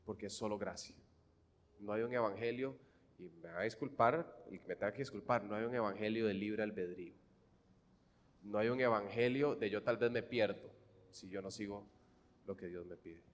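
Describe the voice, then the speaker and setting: Fervent Costa Rican preacher, echoing hall. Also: male voice, fairly low pitch, moderate pace. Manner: fervent, swings from hushed to loud emphasis. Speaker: pastor. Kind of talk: sermon.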